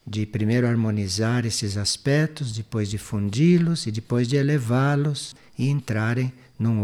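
A Brazilian man speaks in a mid-pitched voice as a spiritual teacher. His delivery is measured and explanatory. He takes questions and answers them in a didactic way, as in a spiritual talk. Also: darkish tone.

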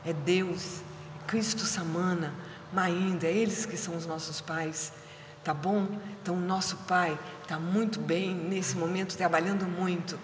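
A woman giving a spiritual talk, calmly and gently telling a personal story. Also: on the low side, a little slow, a little hiss or hum. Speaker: spiritual caretaker and speaker. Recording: echoey hall with faint ambience.

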